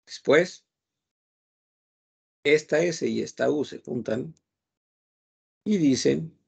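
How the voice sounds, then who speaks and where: A man's voice: fairly high pitch, slow, vocal fry, slightly rough. A man teaching a French class online, patient and repeating words as he explains.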